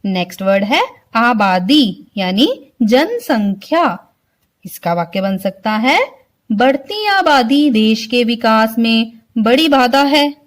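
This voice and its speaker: Slow, lively-voiced woman Hindi teacher. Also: a little high. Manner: slow, explains word by word, keeps asking if clear. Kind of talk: online vocabulary lesson for children.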